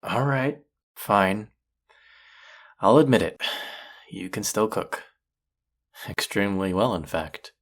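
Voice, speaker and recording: A man's voice: on the low side, expressive, slow, long pauses, heavily acted. A man playing a cocky, bickering chef in an intimate audio roleplay, with a teasing, sardonic and condescending manner. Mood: grudging admiration. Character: cocky, bickering male chef, grudgingly fond rival. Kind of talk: intimate audio roleplay acting addressed to listener.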